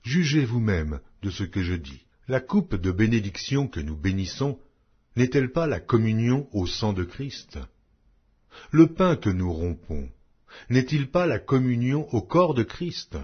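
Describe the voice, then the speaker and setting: A man narrates scripture in a solemn, measured and emphatic style. His mid-pitched voice moves with animated rises and falls and has a husky grain. The recording sounds dull and lo-fi. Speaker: narrator of an audio Bible.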